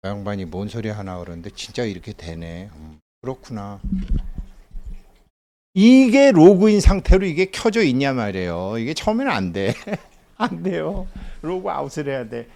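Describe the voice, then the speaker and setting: A middle-aged man lecturing in a loose, conversational way. His voice sits at a medium pitch, and he keeps breaking into anecdotes, acting out the dialogue and chuckling along the way. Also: very animated, normal speed, dark tone. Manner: chatty storyteller, laughs often, acts out dialogue.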